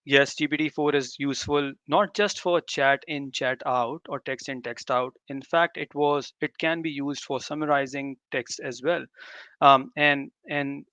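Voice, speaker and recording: A man's voice: mid-range voice, fairly even intonation, unhurried, sharp tone, clear, resonant tone, no room sound. A man whose native language is Urdu gives an informal live tech demo, often repeating and rephrasing himself. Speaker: tech presenter. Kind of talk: live demo talk to developers.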